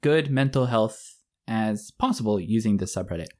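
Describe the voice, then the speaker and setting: A young man co-hosting a podcast in easy conversation, his voice a bit high and friendly. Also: lively intonation, normal speed, darkish tone. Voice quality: fairly high-pitched voice. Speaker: podcast co-host. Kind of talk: casual chat.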